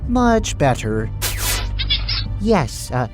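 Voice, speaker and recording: A man acting a theatrical audio drama character. The delivery is slow and very animated in pitch. Music plays clearly behind the voice. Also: full character voice. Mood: pleased. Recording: music under the voice.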